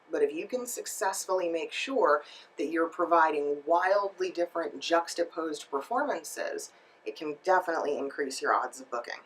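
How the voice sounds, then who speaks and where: A woman's voice: low-pitched, a bit bright, recorded from a distance, poor audio. A woman giving instructional tips to camera as a voice-over coach and host, emphatic and speaking directly to her viewers. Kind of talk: instructional video talk to camera.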